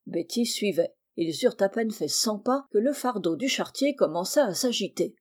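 A woman narrating a classic novel aloud in a steady, clear storytelling manner. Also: medium pitch, moderate pace. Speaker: audiobook narrator.

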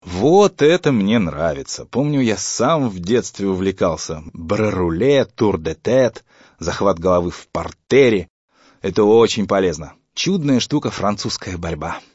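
A man's voice: sits low, lively intonation, unhurried, a little mellow, husky, no echo, muffled recording, heavily acted. A man voicing a bewildered old father. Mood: puzzled. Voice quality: cautious, puzzled questioning.

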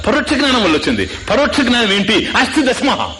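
A man's voice: very high-pitched, huge pitch swings, a little fast, bright, forceful tone, slight background noise. A man giving a spiritual discourse as a Vedanta teacher, often quizzing his listeners and dropping in English asides.

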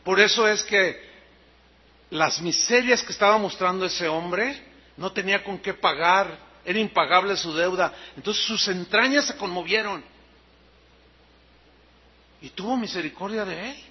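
A man with a Mexican accent preaching a sermon, animated, explaining the meaning of words and acting out scenes. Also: sits high, unhurried, pauses often, husky. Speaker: pastor. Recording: dull lo-fi sermon recording.

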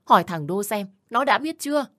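A man's voice: sits high, animated, brisk, a bit bright, dry recording, clean studio sound, pitched above the performer's own voice. A man voicing a middle-aged woman cook calling out to coworkers in panic, in a storybook reading. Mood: panicked.

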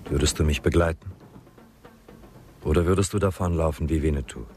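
An actor playing a gruff, domineering white leader in a radio drama, with a sly, insinuating manner. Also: male voice, rumbling low, brisk, darkish tone, faint music behind. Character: gruff, domineering white chief, slyly courting a girl. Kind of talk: German radio drama acting.

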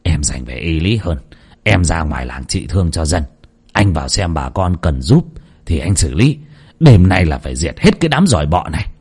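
A man voicing a gruff, resolute older village man who speaks low and firm. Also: very animated, moderate pace, a little mellow, exaggerated voice. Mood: grim.

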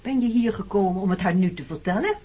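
Woman playing a tired defensive thirtysomething in an old radio play, husky voice, reproachful, dull sound. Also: mid-range voice, fast talker, lightly acted. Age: 30s. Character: weary, defensive woman of thirty-two haunted by wartime past.

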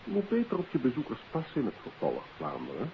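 On a narrow, hissy vintage radio recording, a brisk male police inspector. He talks fast with lively intonation, official and businesslike in 1950s radio drama style. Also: medium pitch. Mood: pointed.

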